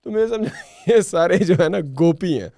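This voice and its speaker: Chatty Pakistani podcast host, mellow. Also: male voice, sits high, expressive, fairly quick, vocal fry, no room sound. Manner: chatty, laughs easily, mixes English phrases into Urdu. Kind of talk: casual podcast conversation.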